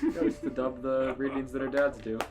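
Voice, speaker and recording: A man's voice: medium pitch, steady tone, fairly quick. A man co-hosting a podcast in casual comedic chat. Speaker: podcast co-host. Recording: faint music behind the voice. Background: faint music.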